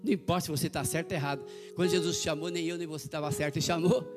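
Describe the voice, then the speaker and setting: A male pastor delivers an evangelical sermon, his voice pitched high and his words tumbling out quickly. He tells his stories animatedly and acts out each character's voice, while live guitar music plays clearly behind him in the church. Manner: animated storytelling, acting out quoted voices.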